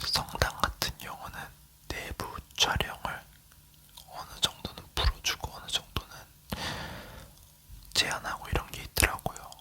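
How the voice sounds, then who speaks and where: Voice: normal speed, bright, forceful tone. An ASMR creator from South Korea leaning in to whisper, chatting casually as they tell a travel story.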